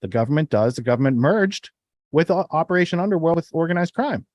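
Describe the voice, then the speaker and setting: A man's voice: on the high side, animated, fast, a little mellow, no room sound. A man hosting a podcast in casual, sardonic chat. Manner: wry, sardonic. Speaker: podcast host.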